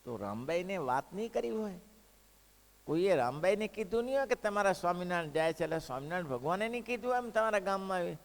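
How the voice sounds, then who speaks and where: A man preaching a devotional sermon, telling a story in an animated way and putting questions to the listeners. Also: sits high, fast, gravelly. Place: hall of a religious school. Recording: echoey hall.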